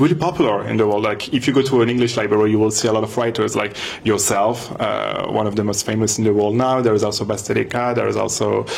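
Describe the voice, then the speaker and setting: With audible room echo and noticeable background noise, a man speaks very fast at a fairly low pitch with fairly even intonation. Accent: French. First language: French. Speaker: book reviewer and interviewer. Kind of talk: interview. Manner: halting.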